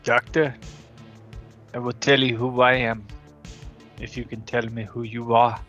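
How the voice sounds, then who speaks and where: A man voicing a courteous, probing vampire investigator in a tabletop game, speaking in a measured, formal way. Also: medium pitch, flat delivery, fairly bright tone, muffled recording, soft background music, close to an everyday voice. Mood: coolly probing.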